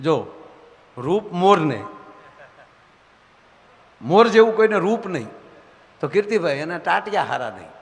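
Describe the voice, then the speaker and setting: A man's voice: sits high, big pitch swings, unhurried, pauses often. A man telling teasing comic stories on stage before a live audience. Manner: chatty, teasing, acts out scenes. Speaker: folk comedian at a dayro. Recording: live stage hall with faint noise.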